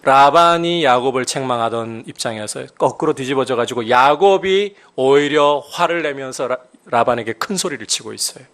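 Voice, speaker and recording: A man's voice: medium pitch, normal speed, few pauses, a bit bright. A male pastor preaching a sermon, explaining scripture and building to emphatic, raised peaks.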